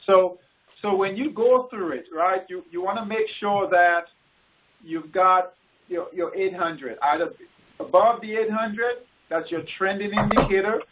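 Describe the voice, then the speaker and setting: High-voiced man coaching, halting and repetitive. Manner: halting, repeats words, checks in often with "okay" and "right". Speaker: trading coach leading a group conference call. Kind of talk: informal instruction on a group call. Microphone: conference call line. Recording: muffled, noisy conference call audio with clicks.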